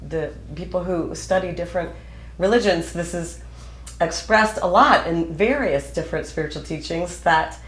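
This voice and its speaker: Middle-aged lady counselor, lowish voice, talks it through like a teacher, echoey room. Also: normal speed, a bit bright. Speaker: couples counselor. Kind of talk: counseling session, explaining.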